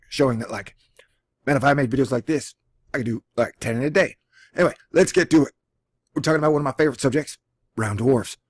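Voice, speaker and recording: A man's voice: mid-range voice, husky, no room sound. A man with a Texan accent hosting a casual one-take vlog, reading a science article aloud with jokey, self-deprecating asides. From Texas. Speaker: channel host. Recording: dry, close lo-fi home recording.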